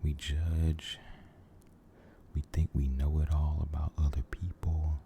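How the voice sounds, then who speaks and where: A man giving a soft-spoken, mostly whispered ASMR ramble, halting and gentle, repeating his phrases, close to the microphone. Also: very deep voice, level tone, vocal fry, a little hiss or hum. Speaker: ASMR video creator.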